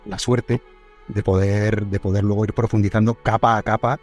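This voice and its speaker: A man with a fairly low voice answers interview questions as a music manager. He talks in a halting way, restarting phrases often. Faint music plays underneath. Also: flat delivery, a little mellow. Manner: halting, many restarts and fillers.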